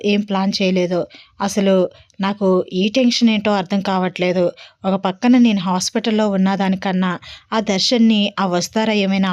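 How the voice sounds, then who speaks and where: A woman narrating a homemade serial story in a steady, plain reading voice. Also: mid-range voice, no room sound. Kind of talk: fan fiction story narration.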